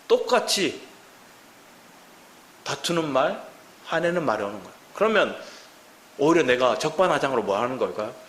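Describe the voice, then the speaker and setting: Lively Gyeongsang-accented pastor in a roomy church. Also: male voice, on the high side. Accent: Gyeongsang Korean. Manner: lively, asks the congregation many questions. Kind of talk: sermon. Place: church sanctuary. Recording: roomy church hall with faint hiss.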